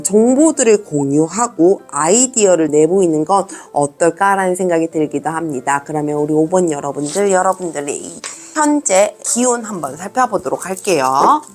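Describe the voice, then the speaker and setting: Soft-spoken woman giving a tarot reading. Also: lowish voice. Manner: gentle, reassuring, addresses viewers warmly as a group. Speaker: tarot reader. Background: faint background music.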